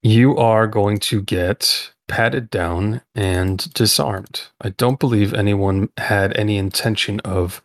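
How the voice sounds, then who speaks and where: A man narrating a tabletop role-playing session as game master, unhurried and full of filler sounds. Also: fairly low pitch, fairly even intonation.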